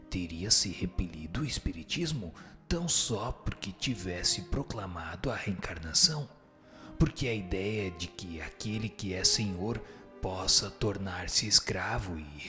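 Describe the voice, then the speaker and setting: A man's voice: sits low, animated, unhurried, pushed and bright, heavily acted. A Brazilian man playing a wise, solemn spirit teacher in a radio drama, speaking in formal, didactic and rhetorical phrases. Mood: didactic, patient. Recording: music behind the voice.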